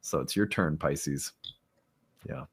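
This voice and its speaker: A man's voice: rumbling low, sing-song, slow pace, creaky, husky. A man hosting an online talk show, making an earnest, upbeat appeal with some fillers. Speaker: host. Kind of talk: casual talk and fundraising appeal.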